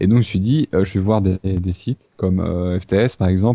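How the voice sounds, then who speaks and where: Speaking with fairly even intonation at a fairly slow pace, a man has a very deep, low pitch. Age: 20s. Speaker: entrepreneur, image and dating coach. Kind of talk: interview.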